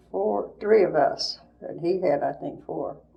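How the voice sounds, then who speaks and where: In an American accent, a woman talks as noticeable background noise carries on behind her. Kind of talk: oral history interview answer. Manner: colorful storyteller, rambling.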